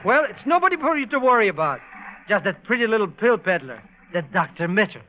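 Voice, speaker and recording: A timid little sidekick in a 1940s radio play. His voice is very high and swoops about, flustered and full of exclamation. The old recording is dull and slightly noisy. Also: sing-song, brisk. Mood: chatty, surprised. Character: excitable, timid foreign sidekick, comic and scheming.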